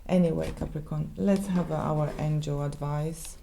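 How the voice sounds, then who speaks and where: A woman with a Polish accent, a native Polish speaker, giving a casual tarot reading in halting English with many restarts. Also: deep voice, steady tone, creaky, dark tone, a little hiss or hum. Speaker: tarot reader.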